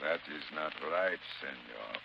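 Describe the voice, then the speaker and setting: An actor playing a ruthless pirate captain with a Hispanic accent, gravelly and mockingly polite in broken English, in 1930s radio style. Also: male voice, a bass voice, expressive, a little slow, full character voice. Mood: sly, menacing. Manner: broken English, sly chuckling menace. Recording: dull, hissy old 1930s radio recording.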